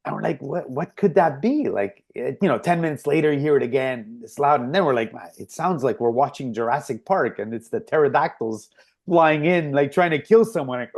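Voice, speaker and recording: A man co-hosting a casual podcast over a video call, telling animated, profane stories about a party he worked. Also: medium pitch, fairly quick. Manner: animated storyteller, swears freely. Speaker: podcast co-host.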